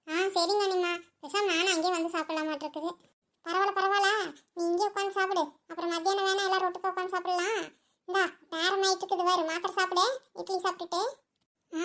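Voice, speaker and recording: A woman's voice: extremely high pitch, fairly bright tone. A woman voicing all the characters of a village family cartoon in chatty, fussing banter. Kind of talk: cartoon voice acting.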